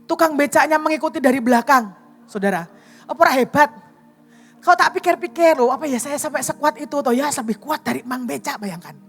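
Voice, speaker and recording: A woman evangelist with a high voice preaches in a lively, conversational style, telling a personal story over soft background music. She is animated, calls the congregation brothers and sisters, and often speaks to them directly with tag questions and dramatic pauses.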